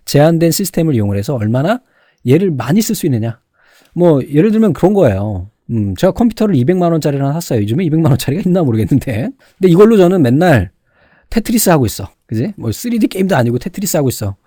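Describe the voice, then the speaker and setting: A man's voice: fairly high pitch, very animated, quick pace, warm tone, no room sound, studio quality. A man giving an informal exam lecture, explaining conversationally and often answering his own questions. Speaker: online computer certification lecturer.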